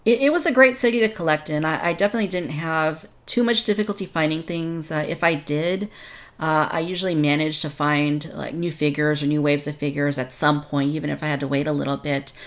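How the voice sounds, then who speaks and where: A woman with a low voice hosts a conversational podcast. She is from Texas and talks through the discussion as its host. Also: fairly even intonation, brisk. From Texas, United States.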